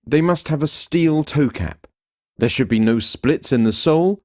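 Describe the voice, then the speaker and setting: A man doing a clear, persuasive commercial and training voice-over. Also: fairly high pitch, measured pace, a little mellow, dry recording, clean studio sound.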